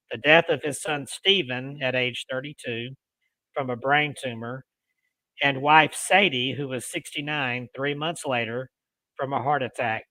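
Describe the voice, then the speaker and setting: Male paranormal show host, deliberate storytelling read with casual touches, forward bright tone, dry recording. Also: mid-range voice, no echo, low-quality recording. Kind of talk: reading ghost stories aloud with casual asides.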